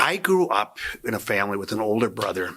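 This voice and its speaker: At a moderate pace, a man with an American accent speaks at a fairly low pitch over noticeable background noise. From US Midwest, rural Minnesota. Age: 60s. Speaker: county commissioner candidate. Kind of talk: interview. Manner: halting, many fillers.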